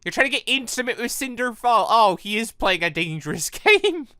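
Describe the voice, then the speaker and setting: Excitable gamer doing casual rambly commentary, really animated, super dry audio. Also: mid-range voice, moderate pace, smooth, dry recording. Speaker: video game let's-player. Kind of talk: casual gameplay commentary and read-aloud.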